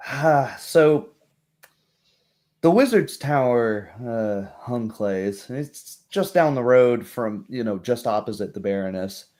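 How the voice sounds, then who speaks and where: A plain-spoken townswoman in a roleplaying game, acted by a man. The voice is soft-edged and unhurried. Each phrase comes out guarded and hesitant, as if carefully weighed. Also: mid-range voice, animated. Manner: hesitant, measured, picking words carefully. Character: guarded, plain-spoken townswoman talking over local mysteries.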